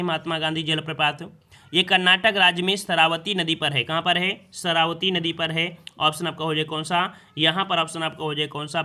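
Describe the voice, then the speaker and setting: Bright high-voiced male tutor. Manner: repeats questions, addresses students directly. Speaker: exam coaching teacher. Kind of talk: explaining quiz answers.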